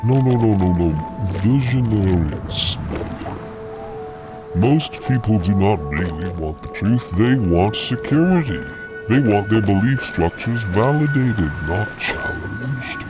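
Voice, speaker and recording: A man voicing a grave, zealous frog-like alien intellectual in an audio drama, speaking in lofty, measured, persuasive phrases. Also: lowish voice, lively intonation, over music. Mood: fervent, lofty.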